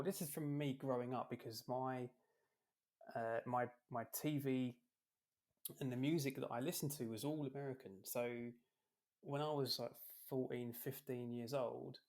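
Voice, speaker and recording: A man's voice: mid-range voice, fairly even intonation, measured pace. A British man from London, a podcast guest and author, talking casually with frequent ums and restarts. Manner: hesitant, with many ums and restarts, joking. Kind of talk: casual interview talk.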